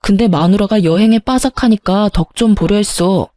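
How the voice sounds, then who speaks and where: A woman's voice: medium pitch, normal speed, dark tone, dry recording, close to an everyday voice. A woman voicing an irritated husband who argues defensively and accuses his wife in a spoken story. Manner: accusing, huffy.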